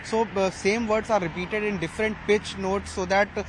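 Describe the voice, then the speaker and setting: A man gives a live field report in Indian English. His voice is notably high for a man, and he speaks haltingly, repeating phrases. Faint outdoor city noise sits behind him. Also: steady tone. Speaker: news reporter.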